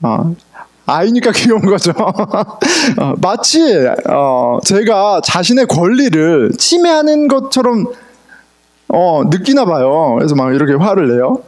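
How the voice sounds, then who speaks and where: Middle-aged male pastor, lively sermon delivery, chatty with the congregation, drops in English words. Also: sits high, slow. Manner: conversational, asks the congregation questions, mixes in English words. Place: church sanctuary.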